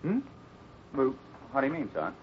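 A commanding, fatherly cowboy ranch boss, acted by a man with a mid-pitched, plain-spoken voice. He takes charge firmly in old radio serial style, on a muffled recording with faint noise. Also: very animated, moderate pace, lightly acted. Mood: flustered. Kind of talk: 1950s radio serial acting.

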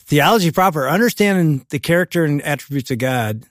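A male co-host chats on a studio radio talk show with a fairly high voice. He is playful and jokey and jumps in with excited interjections. The sound is dry and close. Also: a little fast, no room sound. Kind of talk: casual studio chat.

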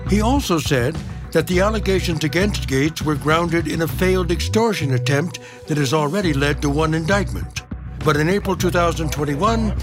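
Higher-voiced American man, dramatic tabloid TV narrator. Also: moderate pace. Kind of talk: scripted true-crime documentary narration. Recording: music playing behind narration. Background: dramatic background music.

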